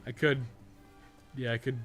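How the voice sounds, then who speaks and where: A man's voice: medium pitch, flat delivery, a bit bright, soft background music. Sweary man chatting through a game stream. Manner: sweary, colloquial, halting, thinking aloud. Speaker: game streamer and guide maker. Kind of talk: casual live game-stream commentary, chatting with viewers. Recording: clear background noise and ambience.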